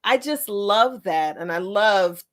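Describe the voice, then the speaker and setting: A woman's voice: medium pitch, expressive, takes it slowly, fairly bright tone. A middle-aged American woman hosting a conversational interview in an affirming, encouraging manner. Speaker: podcast host and interviewer.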